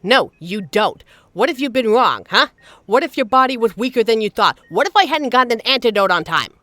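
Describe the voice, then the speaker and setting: A woman's voice: on the high side, lively intonation, a little fast, a bit bright, no echo. A woman playing a fiercely protective secret agent in an emotional, emphatic dramatic audio roleplay. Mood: angry, scolding. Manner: emotional, scolding, emphatic, swearing. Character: normally suave female secret agent, fiercely protective, angry and anguished. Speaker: voice actor in a scripted audio roleplay.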